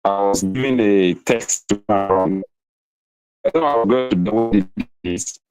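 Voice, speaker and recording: A man calling in to a live show over an internet connection that keeps breaking up, talking haltingly with many restarts. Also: fairly low pitch, darkish tone, smooth, faint music behind, low-quality recording. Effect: choppy, breaking-up internet call connection. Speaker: caller on a live online show. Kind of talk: casual call-in talk.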